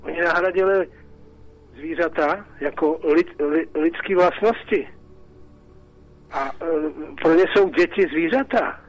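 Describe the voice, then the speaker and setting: Czech male caller, slightly high, agitated and rhetorical; dry, dull phone-in sound. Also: faint music behind. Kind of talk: call-in radio talk.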